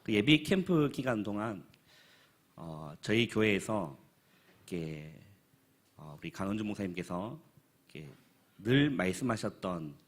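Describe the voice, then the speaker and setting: A man in his thirties speaks with a low, husky voice as a pastor. He reports to a church forum in an earnest, halting way and often pauses on fillers. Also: sing-song. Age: 30s.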